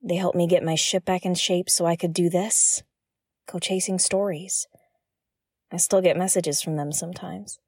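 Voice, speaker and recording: An actress playing a feisty, irreverent woman who broadcasts from her own ship, expressive and candid in an audio drama. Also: lowish voice, normal speed, slightly rough, no room sound, clean studio sound. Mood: wistful, sincere. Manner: expressive, candid, prone to gleeful giggling. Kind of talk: audio drama acting, conversational.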